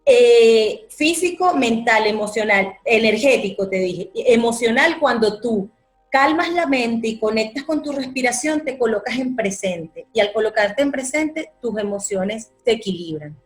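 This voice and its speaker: A woman, a yoga teacher calmly explaining her practice in an interview. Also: a little high, unhurried, soft background music. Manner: calm, explanatory, repeats words for emphasis. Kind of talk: interview answer.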